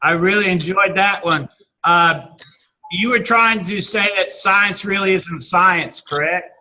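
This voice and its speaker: Halting teacher, bright voice. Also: male voice, high-pitched, poor audio. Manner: halting, many restarts and fillers. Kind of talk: casual video-call chat.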